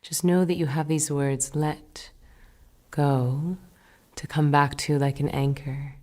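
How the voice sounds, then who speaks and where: A woman meditation teacher guiding a breathing meditation in a slow, soothing, gentle way, sometimes dropping to a soft whisper. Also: low voice, flat delivery. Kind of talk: guided meditation.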